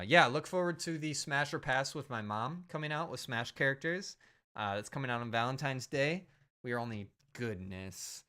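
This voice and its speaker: A man's voice: mid-range voice, bright, forceful tone. A man in his thirties, a streamer wrapping up a live stream in rambling casual chat, a little tipsy and slurring his words. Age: 30s. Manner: rambling, self-repeating, chatty.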